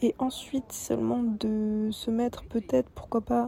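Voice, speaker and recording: At a very slow pace, a woman speaks at a fairly high pitch, her voice somewhat breathy with a dark, mellow tone. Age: 20s. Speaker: listener, recent communications graduate. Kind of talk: voice message testimony.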